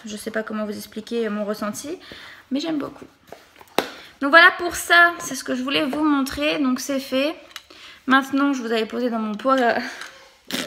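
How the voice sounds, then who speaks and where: A woman's voice: sits high, creaky, sharp tone, slight background noise. A young pregnant woman talking casually to camera in a family vlog, chatty and hesitant with many fillers. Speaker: vlogger and childminder.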